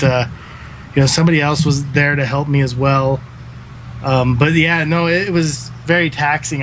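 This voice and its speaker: A man's voice: on the high side, slight background noise, rough recording. A man in his thirties, a guest esports caster, talking earnestly in a casual podcast interview, with lots of fillers. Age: 30s. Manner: earnest, rambling with many fillers.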